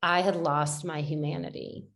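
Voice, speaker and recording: Woman, middle-aged, slightly low pitch, reflective, rambling, lots of ums and restarts, casual podcast guest. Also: flat delivery, normal speed, vocal fry. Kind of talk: casual conversational interview.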